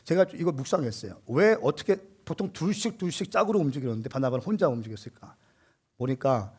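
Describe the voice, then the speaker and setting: A male pastor preaching a sermon, animated and swelling to emphatic peaks, with a husky voice. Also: mid-range voice.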